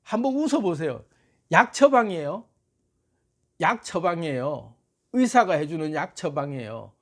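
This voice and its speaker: Playful, laughing man with lively pitch. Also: normal speed. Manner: playful, animated, laughs often, urging listeners. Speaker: motivational speaker. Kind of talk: motivational talk to camera.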